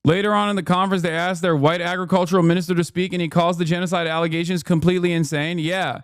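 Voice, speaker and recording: A man with a notably high voice hosts a livestream, reacting with sarcastic, profane and animated commentary. He is close to the mic and sounds dry, with no room around him. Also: fast, smooth, no echo. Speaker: livestream host.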